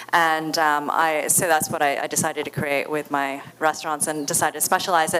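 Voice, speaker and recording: A woman with a New Jersey accent and a fairly low pitch speaks over noticeable background noise. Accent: American, New Jersey. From US, New Jersey. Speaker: chef. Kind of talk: interview. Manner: hesitant, many fillers.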